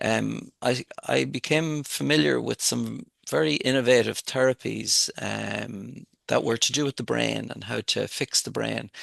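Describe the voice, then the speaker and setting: A man with a western Irish accent at a fairly slow pace, in a dry, close sound with no echo. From Ireland, Sligo. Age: 50s. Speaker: physiotherapist and researcher. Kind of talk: interview. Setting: call.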